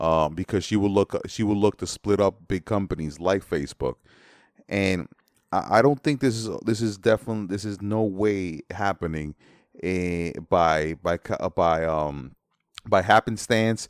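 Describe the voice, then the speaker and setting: Speaking at a fairly slow pace with a New York accent, a man uses a fairly low pitch on a very clean recording with a silent background. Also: ordinary pitch variation, dry, close sound with no echo. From New York City, the Bronx. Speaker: podcast co-host. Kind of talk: casual chat. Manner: halting.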